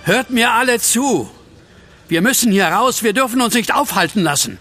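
A shaken, incredulous fugitive. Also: male voice, very high voice, expressive, normal speed, pushed and bright, no echo, soft background music, full character voice. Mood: rallying. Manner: incredulous, dramatic, questioning. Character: bewildered, horrified man framed as a werewolf. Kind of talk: German horror audio drama acting.

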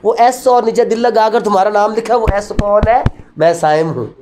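High-pitched Pakistani man lecturing on law. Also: moderate pace, noisy background. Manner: didactic, asks and answers own questions. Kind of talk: classroom lecture mixing in English terms.

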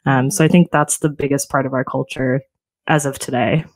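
A woman guest in a casual interview, explaining things in a friendly, steady way. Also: a bass voice, normal speed, no room sound. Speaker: podcast co-host and marketer.

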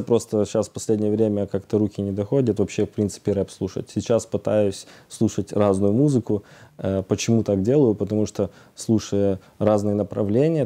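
Man, thirties, low dark voice, very mellow, halting delivery, studio interview guest. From Odesa, Ukraine. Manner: halting, searching for words. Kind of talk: casual TV interview. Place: TV studio, indoors, seated.

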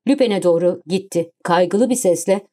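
A woman's voice: on the low side, normal speed, warm tone. Woman narrating an audiobook.

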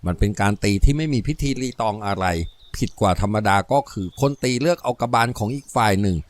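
A man narrating a novel as an audiobook, in an expressive storytelling manner. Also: fairly low pitch, fast talker.

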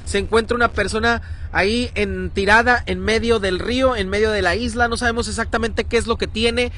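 Man, high-pitched voice, live field report, outdoors by a river, urgent tone. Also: steady tone, brisk, slight background noise. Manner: urgent, calls out loudly across the river. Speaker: local news reporter.

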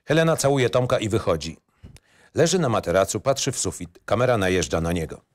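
A man with a fairly low voice reads scripted scene directions. His phrasing is clipped and matter-of-fact, as a narrator setting out a film scene. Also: animated, a little fast.

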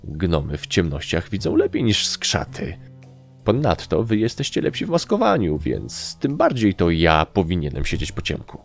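A man voicing a loud, boastful gnome soldier in an audiobook story. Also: low voice, wildly swooping pitch, normal speed, vocal fry, faint music behind, full character voice. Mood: reasoning.

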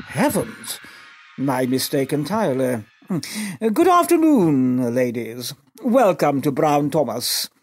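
A man's voice: mid-range voice, very animated, takes it slowly, soft background music. An actor playing a condescending male shop assistant who talks in a pompous, sneering way in a comedy radio drama. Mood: haughty.

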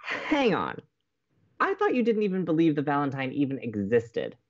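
A man's voice: a little high, wildly swooping pitch, normal speed, highs cut off. Man acting as dramatic, swoopy-voiced young radio co-host. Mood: sulky, subdued. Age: young adult. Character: dramatic, moody young college radio co-host, a hopeless romantic. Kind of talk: naturalistic romantic comedy podcast acting.

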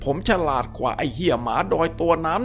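A sly, boastful young crook who fires back indignant retorts, as a male storyteller plays him. The voice is fairly high for a man. Faint music sits behind the storybook reading. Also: expressive, a little fast.

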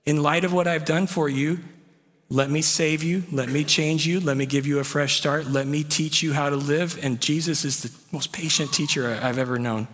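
A man's voice: a little high, fairly even intonation, moderate pace, fairly bright tone. A man preaching a sermon as pastor, telling stories in a conversational way and asking rhetorical questions. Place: church sanctuary. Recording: long reverb of a church hall.

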